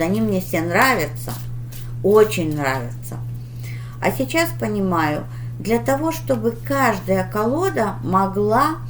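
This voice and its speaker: A woman reading tarot for her viewers in a deliberate, instructive manner, with pauses and emphatic advice. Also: medium pitch, slight background noise. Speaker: tarot reader hosting her channel.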